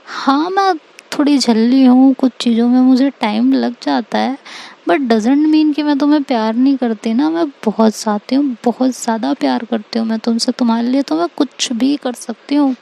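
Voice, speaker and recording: Brief: woman storyteller doing a playful, teasing teen girl, a touch high and mellow. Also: vocal fry. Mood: affectionate. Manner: playful teasing, drawn-out questions ending in "haan". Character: teenage girl Tanya, teasing, devoted girlfriend.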